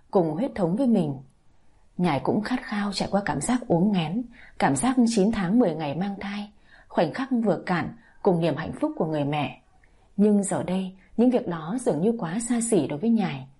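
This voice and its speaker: A woman narrating a scripted story in a calm, even storytelling manner. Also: fairly low pitch, moderate pace, slightly rough.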